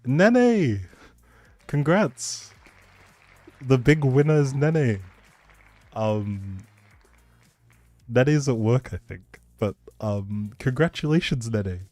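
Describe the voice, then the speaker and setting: A man's voice: medium pitch, expressive, drawn-out words, pauses often, a little mellow, no echo, faint music behind. A man hosting a livestream in a chatty, rambling, informal way, as if talking casually with viewers. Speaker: livestream host. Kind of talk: casual livestream chat, giveaway announcing.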